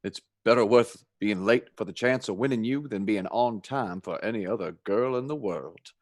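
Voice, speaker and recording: An actor playing a jolly, gallant young Texan suitor in a radio play, with a folksy, earnest drawl. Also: male voice, fairly low pitch, normal speed, dry recording, studio quality, natural voice. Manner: folksy drawl with American slang.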